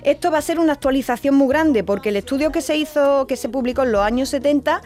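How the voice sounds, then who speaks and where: A woman's voice: sits high, quick pace, darkish tone. A middle-aged woman from Andalusia with a Jaén accent, presenting a radio section in a chatty, explanatory way and often tagging questions onto her points. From Alcaudete, Jaén, Andalusia. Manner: chatty, explanatory, keeps adding tag questions. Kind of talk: radio talk segment. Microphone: studio microphone.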